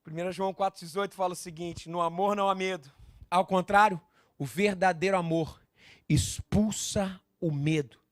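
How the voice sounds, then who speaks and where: A man preaching a sermon. He builds to shouted appeals and acts out the scenes he tells. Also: sits high, fairly even intonation, normal speed, dry recording, studio quality. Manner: acts out biblical scenes with voices; addresses listeners as "meu querido". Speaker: pastor.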